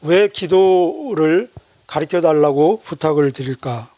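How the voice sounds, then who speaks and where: A man preaching a sermon as pastor, measured and emphatic, asking rhetorical questions of his listeners. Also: on the high side, animated, dark tone, no echo.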